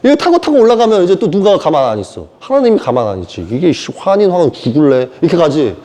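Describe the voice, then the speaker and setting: A man delivers an informal sermon lecture in a rambling, mocking way. His voice sits high and swings widely in pitch. He often slips into acted-out voices for the people he quotes. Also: dark tone. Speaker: preacher.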